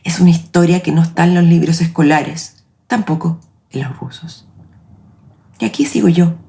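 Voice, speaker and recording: A woman in her late forties with a Chilean accent, hosting her own podcast in a reflective, measured, personal narration. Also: fairly low pitch, gravelly, mellow. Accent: Chilean Spanish. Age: 40s. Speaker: podcast host.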